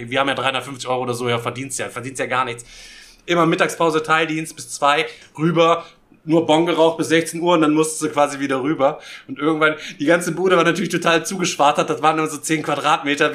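Ein Mann mit heller, etwas hoher Stimme plaudert in einer Podcastrunde. Seine Art ist derb, aufgekratzt und voller Kraftausdrücke. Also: male voice, fairly high pitch. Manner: crude, excitable storytelling, slips into loud impressions. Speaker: podcast co-host. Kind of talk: casual storytelling chat.

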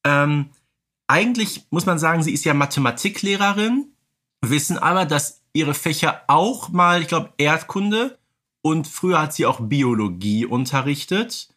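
A man's voice: on the high side, expressive, a little slow, bright, forceful tone. A man hosting a podcast, talking casually in a fan discussion. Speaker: podcast host.

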